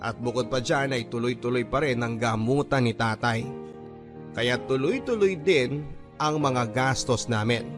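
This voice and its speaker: A Filipino man narrates a personal story for a radio programme in an earnest manner. His voice is mid-pitched, with clearly audible music running beneath it. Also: measured pace. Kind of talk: first-person dramatised letter narration.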